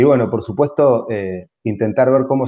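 A man talks at a moderate pace. His voice is medium in pitch with a dark, mellow tone. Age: 30s. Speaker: human resources director. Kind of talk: interview. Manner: halting, repeats words.

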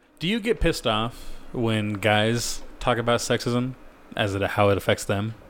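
At a moderate pace, a man talks with ordinary pitch variation. He has an ordinary speaking voice, medium in pitch. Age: 30s. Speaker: podcast co-host. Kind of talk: casual chat. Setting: studio.

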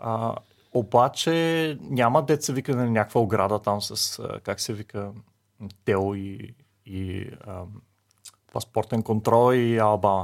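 With an ordinary speaking voice, a man talks at a medium pitch and a fairly slow pace, showing ordinary pitch variation and big swings in loudness, in a very clean recording with a silent background. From Bulgaria, Burgas. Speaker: podcast guest. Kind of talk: casual chat.

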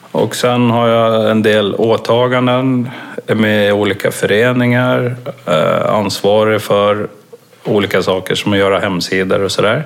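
Noticeable background noise sits behind this voice. The speech moves at a fairly slow pace with fairly even intonation. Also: man. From Sweden, Gotland. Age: 50s. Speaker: weight-loss client. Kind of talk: casual chat.

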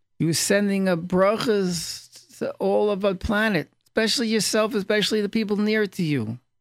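A man speaks with an American accent at a high pitch. His pace is moderate and his pitch variation ordinary. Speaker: rabbi giving religious talks. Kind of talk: religious talk / sermon.

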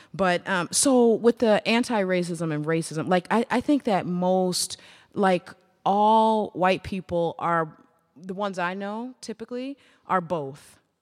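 At a fairly slow pace, a woman speaks with a passionate tone, her medium pitch showing ordinary pitch variation. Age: 50s. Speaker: nonprofit executive and community leader. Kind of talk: public conversation on stage. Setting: church sanctuary before live audience.

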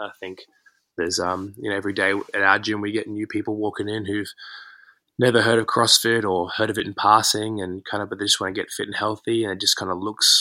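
A man with an Australian accent talks at a very fast pace in a bright, sharp tone, his intonation monotone and flat. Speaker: CrossFit athlete. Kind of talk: casual interview chat. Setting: remote call. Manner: halting, many fillers.

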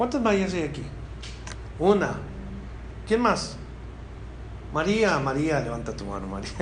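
With audible room echo and noticeable background noise, a man speaks at a fairly slow pace and a fairly high pitch, swinging very widely in pitch and pausing long and often. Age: 50s. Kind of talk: sermon.

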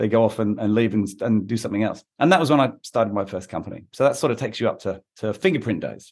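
A man with an Australian accent, very fast and lively in intonation, against a quiet background. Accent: Australian-sounding English. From London, England. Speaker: recruitment company founder. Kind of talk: interview.

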